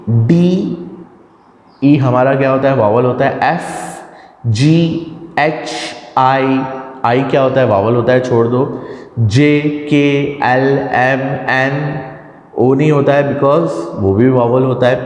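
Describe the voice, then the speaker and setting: A man's voice: medium pitch, darkish tone. An Indian man, a college teacher, lecturing a class step by step, asking and answering his own questions and correcting his slips. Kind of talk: classroom lecture mixing Hindi and English. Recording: echoey room with long reverb.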